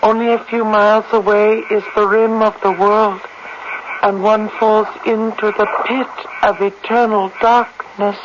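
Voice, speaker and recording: Woman playing a slow-speaking, gentle young tribal woman. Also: mid-range voice, level tone, close to an everyday voice. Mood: sympathetic. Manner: earnest, simple formal phrasing. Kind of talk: 1970s radio drama acting. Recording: muffled, hissy old radio recording.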